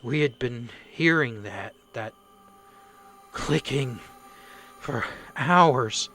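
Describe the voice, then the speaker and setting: A man acts out a shaken male corporal in a radio play. He speaks very slowly, in fragments, as if haunted by what he recounts. The voice is mid-pitched with a forceful, bright edge. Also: slight background noise. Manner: halting, haunted, fragmented delivery. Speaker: voice actor.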